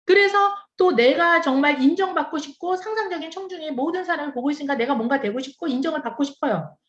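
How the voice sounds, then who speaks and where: A woman's voice: sits high, fast. A woman professor giving a conversational conference lecture to church teachers. She asks the audience rhetorical questions. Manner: animated, acts out parent and teen dialogues. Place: large lecture hall. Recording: echoey hall, slightly dull sound.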